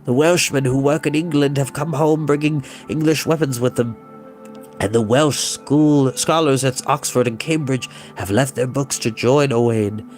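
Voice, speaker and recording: A man voicing a frail old male bard with a soft, lisping voice and a lilting, passionate way of speaking. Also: medium pitch, steady tone, moderate pace, faint music behind, lightly acted.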